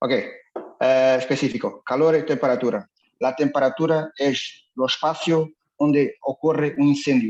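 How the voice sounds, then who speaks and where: A man with a Portuguese accent speaks fairly slowly in a fairly high pitch, keeping his intonation fairly even. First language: Portuguese (speaking Spanish). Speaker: course student. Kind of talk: classroom answer. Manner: halting.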